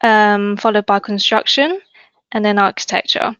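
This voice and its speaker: A woman's voice: mid-range voice, moderate pace, fairly bright tone, clean tone, no echo, dull audio. A woman hosting a webinar, introducing the speakers in a polite, organized way. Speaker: webinar host.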